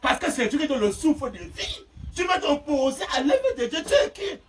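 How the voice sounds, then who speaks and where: A man preaching a fiery sermon, shouting and laughing between phrases. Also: very high-pitched, huge pitch swings, moderate pace. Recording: distant mic with faint noise.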